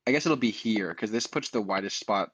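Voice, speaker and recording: A man's voice: lowish voice, a little fast, fairly bright tone, husky, no room sound, poor audio. A young man playing a tabletop game, hesitantly thinking through his options and the rules aloud. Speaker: player. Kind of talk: casual tabletop play.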